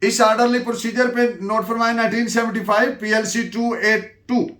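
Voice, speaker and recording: A man with a Pakistani accent giving a lecture, deliberate and emphatic as he dictates references and switches between two languages. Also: extremely high pitch, flat delivery, a bit bright. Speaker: law lecturer. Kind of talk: lecture dictating case citations and explaining legal principles. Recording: echoey room.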